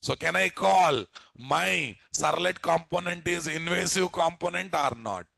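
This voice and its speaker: A man's voice: fairly high pitch, measured pace, gravelly, bright, forceful tone, dry recording, studio quality. A man with a Telugu Indian accent giving an informal technical lecture as a programming teacher, often putting check questions to his listeners. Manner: asks frequent rhetorical check questions.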